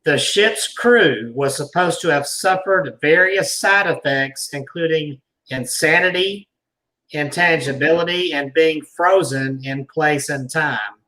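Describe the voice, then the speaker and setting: Male host, slightly high and forceful bright voice, deliberate storyteller read with pointed pauses and conversational asides. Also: poor audio. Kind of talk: reading an article aloud with asides.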